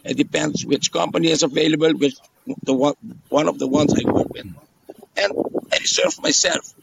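A man with an Aruban accent, a tour guide being interviewed, explains things casually, often repeating phrases or checking in with a "yes?". His fairly high, gravelly voice keeps fairly even intonation at a moderate pace, over heavy background noise.

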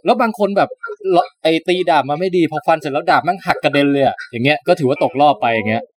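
A podcast host chatting casually, animated storytelling with crude slang. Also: male voice, a little high, fast talker. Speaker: podcast host reviewing shows. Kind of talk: casual chat.

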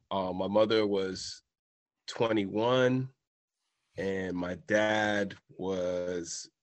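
Slow, soft-spoken young male writer. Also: fairly low pitch. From Boston, USA. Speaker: guest writer. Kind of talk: radio interview.

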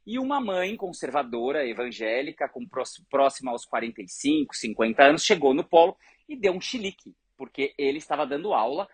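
Education leader, husky, dry close sound, makes the case through anecdotes. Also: medium pitch, a little fast, few pauses, no room sound. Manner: earnest, animated, argues through examples. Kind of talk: conversational storytelling.

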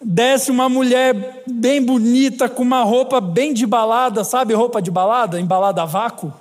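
High-voiced Brazilian pastor in a hall. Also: male voice, normal speed. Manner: humorous storytelling, chatty asides to the congregation. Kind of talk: sermon. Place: church hall. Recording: long hall reverb.

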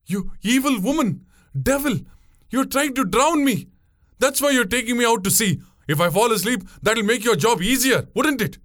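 A frightened, paranoid young man from a dramatic story, as a male narrator performs him. He yells frantically and accusingly, the voice pitched very high and leaping around with panic. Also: expressive, normal speed. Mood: frantic accusing. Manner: yelling and screaming in panic.

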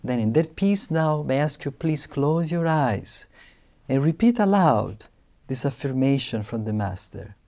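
Slow, mellow man giving a spiritual talk. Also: mid-range voice, expressive, gravelly. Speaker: monastic speaker. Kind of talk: spiritual talk with guided breathing and affirmations.

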